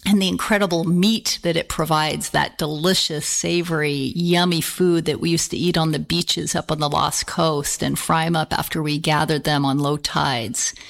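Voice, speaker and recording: Low-voiced woman, slow and searching. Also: fairly even intonation, gravelly. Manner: slow, searching, with repeated restarts. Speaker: podcast co-host. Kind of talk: reflective conversational talk.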